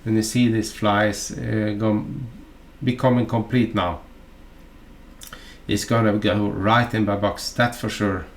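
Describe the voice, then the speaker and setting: A man from Norway with a Norwegian accent, narrating a fly-tying tutorial in a halting, chatty way full of fillers and asides. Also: fairly low pitch, little pitch movement.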